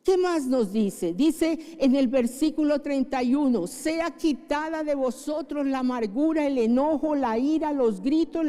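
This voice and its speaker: Fervent, high-voiced woman pastor preaching. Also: mellow, big-room sound. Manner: fervent prayer, emphatic repetition. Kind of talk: sermon. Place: church.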